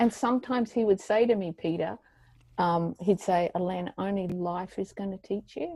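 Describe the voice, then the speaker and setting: A woman's medium-pitched voice with an Australian accent, dark and mellow in tone, at a moderate pace, with a dry, close sound with no echo. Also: ordinary pitch variation. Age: 60s. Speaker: pastor's daughter. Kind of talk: interview.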